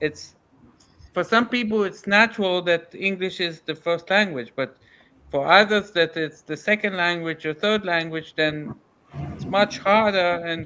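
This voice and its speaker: Delivered at a fairly slow pace, the speech comes with an Israeli accent. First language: Hebrew. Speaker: tech community guest. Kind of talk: casual chat.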